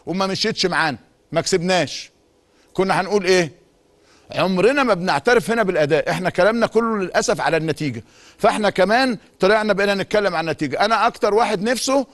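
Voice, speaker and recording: A middle-aged man with an Egyptian Arabic accent, a sports talk show host delivering an emphatic monologue full of repeated insistent phrases. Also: high-pitched. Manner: rapid, emphatic, repetitive insistence. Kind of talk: monologue commentary.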